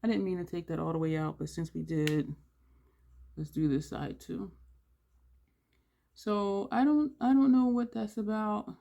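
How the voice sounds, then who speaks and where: Gravelly, rambling makeup vlogger. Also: mid-range voice, steady tone, a little slow, long pauses, warm tone, lo-fi sound, a little hiss or hum. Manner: rambling, thinks aloud while working; audible breathing between phrases. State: congested-sounding. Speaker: beauty vlogger. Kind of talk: casual makeup tutorial chat.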